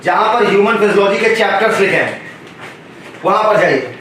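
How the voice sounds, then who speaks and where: A man teaching a biology class in a classroom. His voice sits high and he draws answers out of the students with constant questions. The sound comes from far off in a strongly echoing room with a faint hum of ambience. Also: animated, a little fast, fairly bright tone. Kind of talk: classroom lecture.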